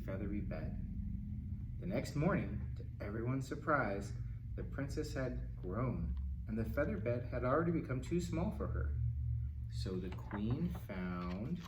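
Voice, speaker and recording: Male storytime reader for a picture book, lively swooping intonation and playful asides, heard in an echoey room with faint noise. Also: medium pitch. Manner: animated, dramatic, with exclamations and asides to children. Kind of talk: expressive children's picture-book read-aloud. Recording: roomy, distant mic, faint noise.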